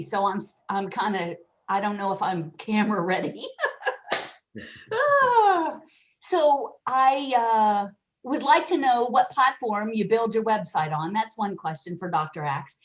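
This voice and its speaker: A woman's voice: fairly high pitch, expressive, measured pace, slight background noise. A woman calling in on a live video call from her computer. She chats casually, laughs between phrases, and her voice echoes back over the call. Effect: echoey voice that repeats back over the call. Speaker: caller and patient.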